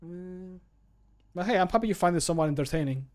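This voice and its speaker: High-voiced and quick, a man in his thirties talks casually to his livestream audience from a small home room. He's a streamer and amateur voice actor, and his manner is informal and self-deprecating.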